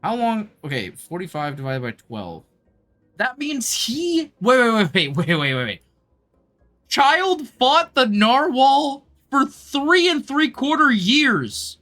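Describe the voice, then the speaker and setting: A woman's voice: on the high side, big pitch swings, takes it slowly, a bit bright. A woman live-streaming a game, reacting and chatting casually in a slangy, exclamatory way. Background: game music.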